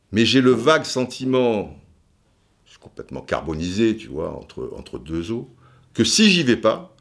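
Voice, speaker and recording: Man, forties, from France, podcast host, rambling storytelling, low voice, very lively pitch. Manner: chatty, digressive, many fillers and restarts. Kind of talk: casual storytelling monologue.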